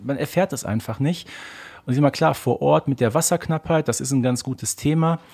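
Male podcast guest, conversational commentary, medium-pitched voice. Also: fairly quick, gravelly, darkish tone, husky.

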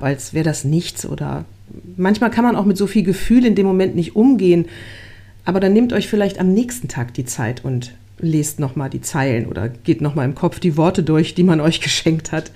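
A woman's voice: on the low side, dark tone. A woman podcast host talking in a reflective, heartfelt way with some fillers. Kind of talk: casual podcast talk.

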